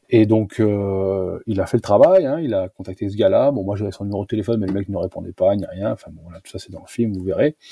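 A man with a fairly low pitch and a dark, mellow tone talks at a very fast pace with hardly any pauses, ordinary pitch variation and big swings in loudness. The recording is very clean with a silent background and a dry, close sound with no echo. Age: 40s. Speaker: mountain bike traveller and publisher. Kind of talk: interview. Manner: halting.

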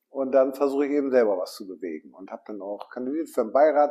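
Very fast in pace, a man talks with a fairly high pitch. His tone is dark and mellow. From Bremen, northern Germany. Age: 50s. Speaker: politician and farmer. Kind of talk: interview conversation. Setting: in-person meeting.

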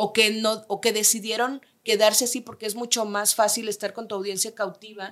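Her pitch fairly high, a woman speaks at a moderate pace with monotone, flat intonation. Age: 40s. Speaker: podcast moderator. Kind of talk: casual chat.

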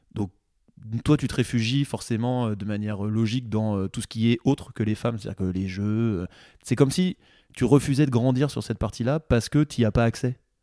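Over a silent background on a very clean recording, a man talks at a fairly quick pace with a medium pitch, ordinary pitch variation, and a dark, mellow tone, the sound dry and close with no echo. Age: 30s. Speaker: podcast guest. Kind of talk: casual chat.

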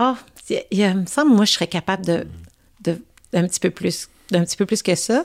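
Speaking with a Quebec accent at a moderate pace, a woman shows ordinary pitch variation in a dry, close sound with no echo. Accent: Québécois French. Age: 50s. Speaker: opera singer. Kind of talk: casual chat.

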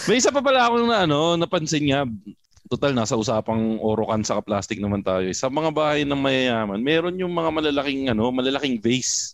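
The pace is fairly quick, and the loudness very even. The pitch swings very widely. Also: man, fairly high pitch for a man. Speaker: comedy podcast host. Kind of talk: casual chat.

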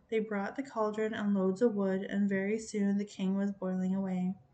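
In a dark, mellow tone, a woman speaks at a moderate pace. Her medium pitch has a monotone, flat intonation. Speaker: podcast host. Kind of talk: fairy-tale narration read aloud from a book, with casual chat in intro and outro. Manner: storyteller pacing, shifting to dialogue lines in measured, expressive tone; casual, filler-heavy (um), chatty in asides.

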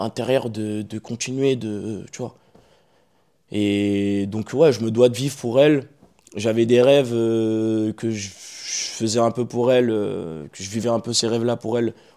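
Very slowly, a man talks in a dark, mellow tone. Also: medium pitch for a man. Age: 30s. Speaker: street workout athlete. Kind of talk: casual chat. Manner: animated.

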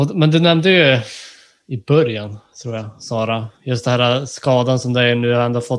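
An ordinary speaking voice from a man, medium in pitch, at a moderate pace against a quiet background. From Norrbotten, northern Sweden. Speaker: sports psychologist, podcast host. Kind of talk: casual interview.

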